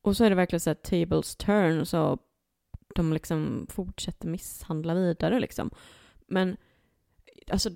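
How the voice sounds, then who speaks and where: A woman's voice: lowish voice, gravelly, warm tone, dry recording, studio quality. A young woman co-hosting a podcast, reacting to her friend's story in casual chat. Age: young adult. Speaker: podcast co-host.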